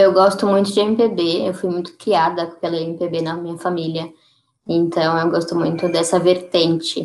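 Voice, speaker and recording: Fairly low-pitched and monotone, a woman speaks at a fairly slow pace with flat intonation. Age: 20s. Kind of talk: casual interview.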